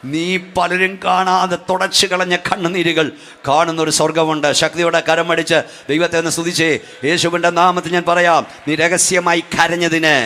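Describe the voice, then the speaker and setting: Middle-aged male pastor from Kerala: fervent revival preacher, high and bright, at times shouting. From Kerala, India. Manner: fervent preaching, rising to shouts, urging clapping and praise. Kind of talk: Malayalam Pentecostal sermon. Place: church gathering at night.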